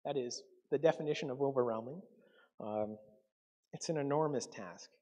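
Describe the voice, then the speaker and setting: A man's voice: medium pitch, moderate pace, warm tone. A man from Canada preaching a conversational sermon to his congregation, with frequent ums and self-corrections. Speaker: pastor.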